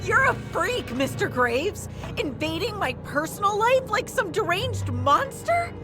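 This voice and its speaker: Woman acting a very high, melodramatic horror heroine. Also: sing-song, a little slow, over music, full character voice. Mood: outraged. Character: frightened, outraged young woman in a horror game.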